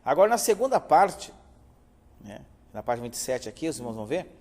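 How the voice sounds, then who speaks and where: A man's voice: a little high, big pitch swings, fairly quick, a little mellow. A man, a pastor teaching a theology class, speaking earnestly and often checking in with his listeners as brothers. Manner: earnest, addresses listeners as brothers, many filler "né". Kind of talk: classroom Bible lecture. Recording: reverberant hall.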